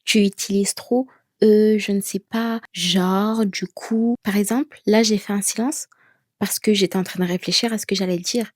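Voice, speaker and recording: A woman speaks to her camera in a measured, unhurried way, letting pauses sit between short sentences. Her pitch sits in a middle range. The sound is dry and close, with no room around it. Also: steady tone, a little mellow, no room sound. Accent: an accent of her own that people ask about. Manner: slow, deliberate, with chosen pauses. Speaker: vlogger giving speaking tips. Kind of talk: casual talking-head advice. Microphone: camera mic, speaking to camera.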